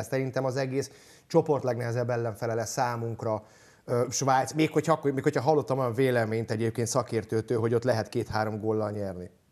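A man's fairly quick speech comes over a quiet background. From Hungary. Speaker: sports journalist. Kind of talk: casual chat. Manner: halting. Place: studio. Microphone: lapel.

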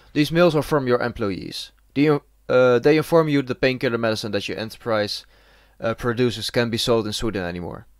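Against a quiet background, a man talks at a fairly quick pace with ordinary pitch variation and a dry sound with no echo. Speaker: horror game YouTuber. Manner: animated, theatrical, with teasing asides and laughs. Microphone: studio mic.

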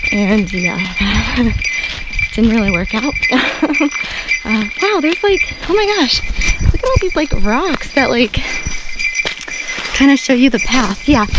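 Over loud background noise, the speaker goes at a fairly slow pace with long, frequent pauses, and the sound is dry with no echo. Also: woman. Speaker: hiker vlogger. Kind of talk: casual vlog chat. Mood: cheerful, self-deprecating, laughing. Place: forest. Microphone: phone near.

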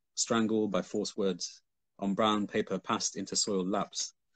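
In a Birmingham accent, a man speaks at a moderate pace with fairly even intonation and a fairly low pitch. The sound is dry with no echo, and the background is quiet. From Birmingham, England. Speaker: poet and visual artist. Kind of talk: spoken word poetry reading. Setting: Instagram live video call. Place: home room.

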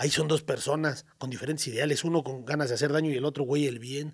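A man with a Mexican accent speaks at a very fast pace, sounding somewhat breathy. The background is quiet. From Mexico. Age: 40s. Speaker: firearms channel host and shooting instructor; firearms channel host, shooting instructor. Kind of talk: casual vlog monologue; casual podcast commentary. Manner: animated. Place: home room. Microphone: studio mic.

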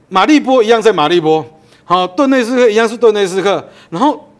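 A man talks at a fairly quick pace in a Taiwanese accent. His voice is extremely high, and his intonation lively. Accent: Taiwanese Mandarin. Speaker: talk show host. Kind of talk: political talk show. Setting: studio. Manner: animated. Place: studio.

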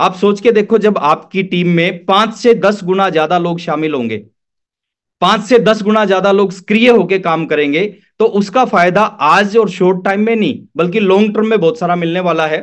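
In a quiet setting, a man's high voice rises and falls with ordinary pitch variation. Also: fairly slow pace. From Haryana, India. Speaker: network marketing leader. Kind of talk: motivational seminar talk. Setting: video call. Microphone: webcam.

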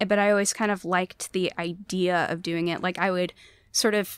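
In an American accent, a woman talks at a moderate pace, the sound dry with no echo and the background quiet. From California. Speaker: singer-songwriter and poet. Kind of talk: casual interview conversation. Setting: on location, in-person. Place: studio. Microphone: studio mic.

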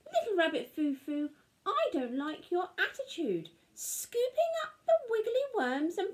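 Her pitch swings very widely. The woman's pace is very slow. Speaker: teacher reading a story. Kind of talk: storytelling read-aloud. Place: home room. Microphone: phone near.

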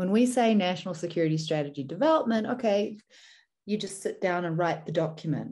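A woman with a New Zealand accent talks fairly quickly at a medium pitch, her somewhat breathy voice dark and mellow in tone with lively intonation. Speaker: security policy expert. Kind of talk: presentation. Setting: video call.

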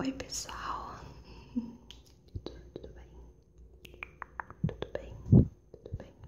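A woman whispers very slowly, leaving long, frequent pauses. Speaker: ASMR creator. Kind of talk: ASMR hand care role play. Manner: soft-spoken.

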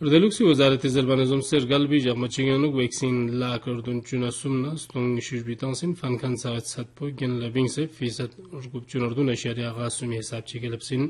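A man talks at a fairly quick pace with fairly even intonation and hardly any pauses. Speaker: radio news reader. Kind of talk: formal news bulletin reading. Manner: formal, steady, even-paced newsreader delivery. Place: studio.

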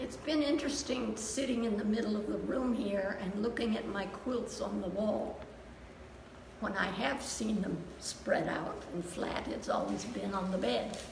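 A woman with an American accent, fairly high-pitched and fairly slow, with lively intonation and noticeable background noise. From Iowa, USA. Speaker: quilt artist. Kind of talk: interview answer. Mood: proud, reflective. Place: hall. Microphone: camera far.

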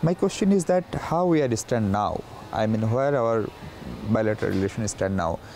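A man with a Bengali accent talks at a moderate pace and medium pitch, with very wide pitch swings, very even loudness and long, frequent pauses. The sound is dry with no echo, over light background noise. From Bangladesh. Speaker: TV talk show host; TV interviewer. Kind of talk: interview. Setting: ambassador's home. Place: garden.

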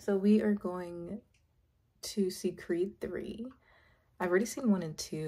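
Her pitch fairly low, a woman talks with ordinary pitch variation. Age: 20s. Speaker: vlogger. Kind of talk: casual vlog talk to camera. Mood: upbeat, chatty. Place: home room. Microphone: phone near.

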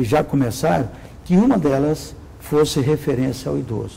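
Here a man talks at a moderate pace. His pitch is fairly high, with ordinary pitch variation. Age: 60s. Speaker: city councillor and physician; city councillor. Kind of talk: interview. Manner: halting, repeats words. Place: studio. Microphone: lapel.

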